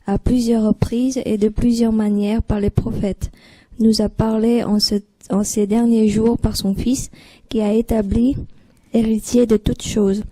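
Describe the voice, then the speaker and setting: Female guest, foreign accent, mellow tone, careful hesitant reading. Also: on the high side. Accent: foreign accent in French. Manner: hesitant, apologetic about her accent.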